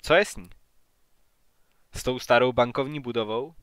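A man voicing a courteous small-town real estate agent in an audiobook, a little raised and brisker than his narration. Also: mid-range voice, clear, resonant tone, no echo, studio quality, natural voice. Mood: polite, probing. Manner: courteous, then sharp and questioning.

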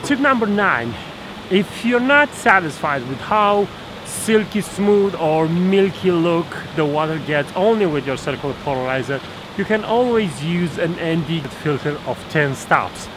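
Man teaching by a rushing stream. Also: on the high side, animated. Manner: explains step by step with fillers and restarts. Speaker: photography instructor. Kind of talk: outdoor tutorial to camera. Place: snowy forest stream outdoors. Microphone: camera held at arm's length. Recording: outdoor recording with stream noise. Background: rushing stream water.

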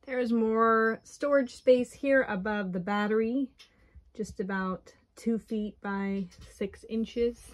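A woman giving an unhurried walkthrough tour of her camper, plainly pointing out features one by one, recorded on a handheld phone inside the trailer. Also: mid-range voice. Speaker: owner giving a home tour.

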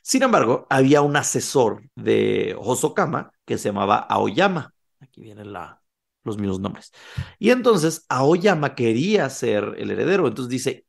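A man's voice: mid-range voice, creaky. A man, a podcast co-host casually telling a horror legend and acting out the quoted lines. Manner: animated, acts out quoted lines.

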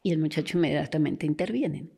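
Her voice low, warm, creaky and husky, this woman talks quickly as she shares anecdotes from her work in forensic medicine. Quoted lines get acted out, and at moments she drops to a whisper.

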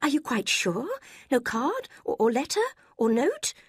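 Restless, eager young woman, read by a woman narrator; high, quick, impatient lines. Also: dry recording, studio quality. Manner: high excited quick outbursts.

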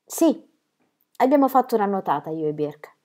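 A woman's voice: medium pitch, big pitch swings, normal speed, warm tone, natural voice. A woman voicing a young, stubborn girl in an audiobook of a children's story. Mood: upset.

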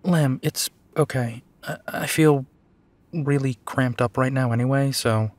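Man acting slow-spoken, gentle protective werewolf detective. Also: mid-range voice, fairly even intonation, no room sound, close to an everyday voice. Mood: tender, reassuring. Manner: slow, soft, reassuring, with pauses and sighs. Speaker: audio roleplay voice actor. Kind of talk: intimate second-person audio drama roleplay.

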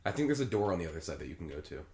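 Deep-voiced young man gaming in echoey room. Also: very animated, very fast, a little mellow. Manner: sweary, sardonic. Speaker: gamer in co-op play. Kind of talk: casual gaming chat. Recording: roomy, echoey voice recording.

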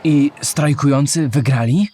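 An actor playing a curious young schoolboy who eagerly asks questions in a scripted children's audio drama. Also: male voice, fairly high pitch, a little slow, mellow, husky. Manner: inquisitive, eager. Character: Historyjek, curious young schoolboy asking about history.

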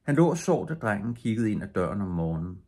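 An older man reads a bedtime story aloud in a calm, steady way. His voice is very low and husky. He keeps an even pace from line to line. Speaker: audiobook reader.

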